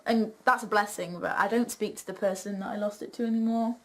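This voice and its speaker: A woman's voice: medium pitch, fairly even intonation, fast talker. A young woman hosting a question-and-answer video, chatting casually and jokingly in a frank, cheeky way. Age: young adult.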